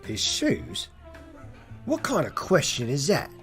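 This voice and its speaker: A man doing a gruff bartender. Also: a little high, wildly swooping pitch, takes it slowly, fairly bright tone, faint music behind, exaggerated voice. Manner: grumbling, haggling, tough-talking. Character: gruff male bartender, cagey info broker. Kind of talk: audio drama acting.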